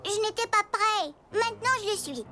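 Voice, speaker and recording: An actor voicing a curious, excitable four-year-old boy in a children's cartoon, in an eager childlike way. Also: very high-pitched, normal speed. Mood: confident. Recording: loud music behind.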